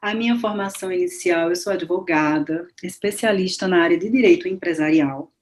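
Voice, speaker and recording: A woman with a northeastern Brazilian accent, medium-pitched, at a moderate pace with ordinary pitch variation and hardly any pauses. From Northeast Brazil, Recife, Pernambuco. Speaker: lawyer and coach. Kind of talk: interview.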